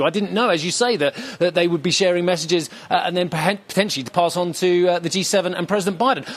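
A man reporting live as an energy correspondent, explaining with rhetorical questions in a brisk way. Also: fairly high pitch, fairly bright tone.

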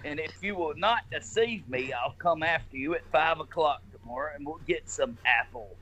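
A man's voice: fairly high pitch, normal speed, pushed and bright, dull audio, a little hiss or hum. Man doing an old wheezy wolf. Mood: grumbling. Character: old wheezing male wolf, pushy and grumbling.

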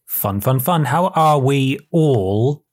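A man hosting a casual comedy podcast from home, joking with friends, his voice a little hoarse from a cold. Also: mid-range voice, slow pace. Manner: animated, joking, sing-song intro reading. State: losing his voice, a bit hoarse. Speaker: podcast host.

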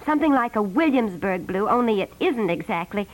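A woman's voice: mid-range voice, lively intonation, fairly quick, natural voice, low-quality recording. A woman playing a fussy, insistent housewife in a 1950s radio comedy, dithering and over-explaining every detail. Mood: fretful, eager. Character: fussy, insistent housewife choosing paint colors. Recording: vintage 1950s radio recording.

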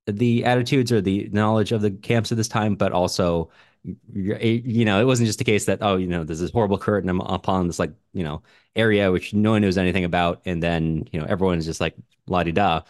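A man's voice: low-pitched, dry recording, clean studio sound. A man co-hosting a podcast, discussing books casually in a discursive way, thinking aloud. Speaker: podcast co-host.

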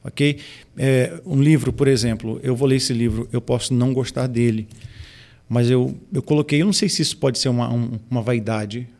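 A man's voice: medium pitch, fairly even intonation, normal speed, darkish tone. A man in his forties, a pastor and music arranger, talking in a casual podcast conversation, often repeating and restarting words. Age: 40s. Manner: hesitant with frequent word repetitions.

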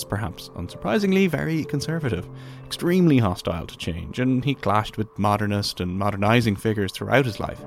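Deep-voiced man narrating, slightly gravelly. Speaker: podcast host and narrator. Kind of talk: scripted documentary narration.

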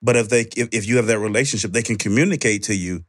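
A man's voice: on the low side, quick pace. A man with an African American accent moderating a panel in a conversational style, explaining step by step and often checking in with a "right?".

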